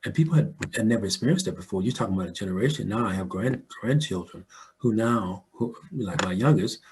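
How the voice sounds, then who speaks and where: Deep-voiced older American man, reflective. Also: lively intonation, fast, a little mellow, a little hiss or hum, rough recording. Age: older, 60s or above. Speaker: audio dramatist and filmmaker, interview guest. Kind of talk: reflective conversational interview.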